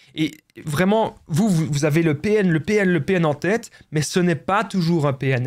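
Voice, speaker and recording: A man with a Belgian accent, high pitch and ordinary pitch variation, in a very clean recording with a silent background. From Belgium. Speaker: relationship coach. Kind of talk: casual monologue to viewers.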